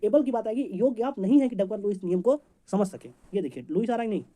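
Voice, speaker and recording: Fast-talking male exam teacher. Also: high-pitched, animated, mellow. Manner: rapid, chatty, jokey teaching with homely examples. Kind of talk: memory-trick lesson for competitive exams.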